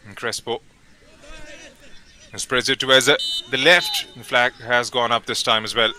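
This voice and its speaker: A man calls a football match live, his voice very bright and clear-edged. He speaks at an ordinary middle pitch and keeps an even, measured rhythm, naming each player as the ball moves. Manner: steady, measured calls with brief pauses between names. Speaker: football commentator. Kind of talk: live play-by-play commentary.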